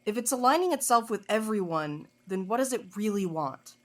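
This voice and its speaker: A woman's voice: medium pitch, animated, normal speed, natural voice. Woman playing a blunt, impatient investigator. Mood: probing. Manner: curt, sardonic, insistent. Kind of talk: audio drama acting.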